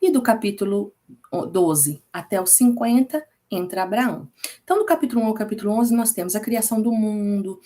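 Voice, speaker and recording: In a casual recorded class, a Brazilian woman teaches a laid-back Bible lesson, speaking fairly quickly in a mellow, warm mid-range voice with a Brazilian Portuguese accent. She keeps things conversational and regularly checks on her listeners.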